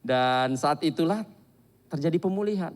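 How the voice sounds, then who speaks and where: A man preaching a sermon and telling a candid personal story in an animated, confessional way. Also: on the high side, normal speed.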